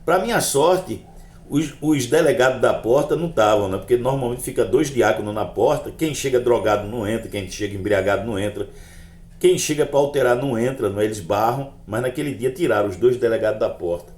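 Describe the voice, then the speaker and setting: A man's voice: mid-range voice, brisk, echoey room. A man, a chaplain telling his conversion testimony in sermon style and acting out the conversations. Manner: animated storytelling, acting out dialogue with raised voice.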